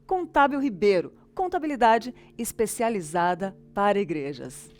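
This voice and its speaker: A woman's voice: mid-range voice, big pitch swings, moderate pace. A woman reading a scripted commercial in a polished, persuasive voice-over.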